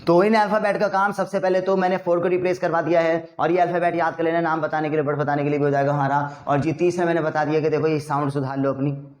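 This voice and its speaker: A man's voice: on the high side, little pitch movement. A man teaching English pronunciation in a chatty, teasing classroom manner, slipping English words into his talk. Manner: drawls slow mock English sentences. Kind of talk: classroom-style spoken lesson.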